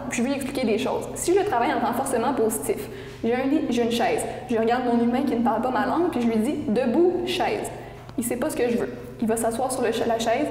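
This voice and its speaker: A woman's voice: a little high, darkish tone, reverberant, in a large hall. A woman dog trainer with a Québécois French accent, patiently explaining training methods with everyday examples in an interview.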